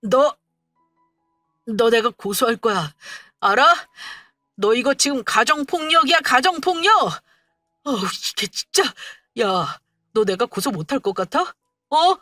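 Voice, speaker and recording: 여성이 연기하는 성질 급한 남편이 언성을 높여 몰아붙입니다. 억양이 크게 요동치고, 음악이 흐르는 건조한 녹음입니다. 자기 엄마 편만 드는 젊은 남자입니다. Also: female voice, a little high, lively intonation, measured pace, no room sound, studio quality, soft background music. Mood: angry shouting. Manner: shouting, accusing. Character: hot-tempered young husband, a mama's boy.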